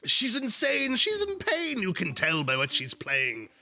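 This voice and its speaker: Reading a book aloud on stream from home, his dog with him, a young man with a sniffly, still slightly sick voice talks a little slowly. His high, sharp-toned voice swoops wildly in pitch. He's casual and joking, swearing freely and using lots of fillers.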